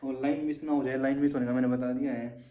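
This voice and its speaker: Over phone-quality, reverberant audio, a man with a mid-range voice and flat delivery talks fast. He's giving shorthand exam students an informal lesson full of exam tips. Repetitive and relaxed, he keeps slipping in "theek hai."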